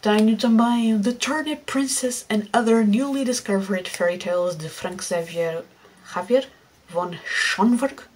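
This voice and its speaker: Portuguese woman, lowish voice, noisy recording. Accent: European Portuguese. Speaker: book vlogger. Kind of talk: casual unscripted book chat.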